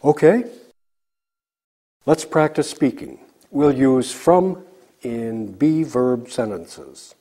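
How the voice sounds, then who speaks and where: A man teaching a recorded English lesson, slowly drilling example sentences for learners to repeat. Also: mid-range voice, mellow.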